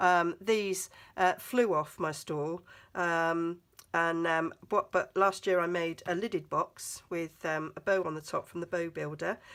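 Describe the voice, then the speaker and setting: A woman with an English accent has a bright, sharp tone and fairly even intonation on a very clean recording with a silent background. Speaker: crafter. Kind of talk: tutorial. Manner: hesitant with many fillers.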